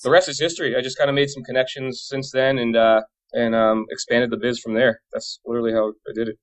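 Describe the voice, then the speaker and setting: A man's voice: mid-range voice, little pitch movement, quick pace. A man in his thirties from Boston chatting informally as an interview guest, explaining his work in a casual way. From Boston area, United States. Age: 30s. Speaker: interview guest, pub trivia company owner.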